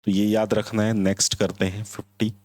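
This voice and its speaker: A man with a somewhat low voice and an Indian accent explains vocabulary word by word, mixing simple English phrases into Hindi. The sound is dry and close, with no room echo. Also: little pitch movement, fairly quick, a little mellow. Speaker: English teacher. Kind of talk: classroom vocabulary lesson.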